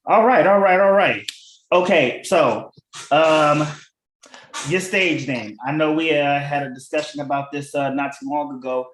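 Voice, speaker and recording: A man's voice: fairly high pitch, a little slow, a bit bright, a little hiss or hum. Laid back guy hosting a live chat, trips over his words a lot, roomy echo, little clicks in the back. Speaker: podcast host. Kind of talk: casual livestream chat. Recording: echoey room with faint clicks.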